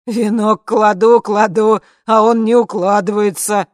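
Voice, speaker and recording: A woman reading an audiobook, voicing a frantic woman yelling bossy orders over a video link. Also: very deep voice, little pitch movement, a little slow, no room sound, studio quality. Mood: frantic shouting.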